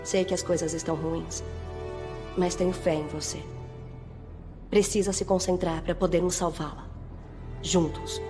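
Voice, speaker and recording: Actress doing calm brazilian lady agent in a video game, earnest and measured, slightly low voice, music playing behind. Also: close to an everyday voice. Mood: earnest, reassuring. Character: composed, caring female agent guiding a partner. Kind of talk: dramatic video game voice acting.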